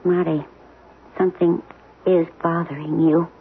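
A woman's voice: on the low side, little pitch movement, a little slow. A woman acting a concerned, solicitous wife in a 1970s radio drama. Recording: muffled, noisy old radio broadcast.

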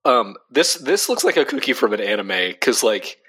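A man's voice: medium pitch, sing-song, moderate pace, a bit bright, slightly rough. A young adult man co-hosting a casual podcast chat, talking loosely with lots of fillers and easy laughs. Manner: chatty, laughs easily, frequent "like" fillers. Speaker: podcast co-host.

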